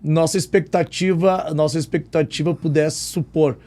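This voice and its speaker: A man's voice: a little high, steady tone, moderate pace, warm tone. A man who was born in Jordan and grew up in southern Brazil, hosting a podcast interview as a law professor and chatting casually. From born in Jordan, raised in Rio Grande do Sul.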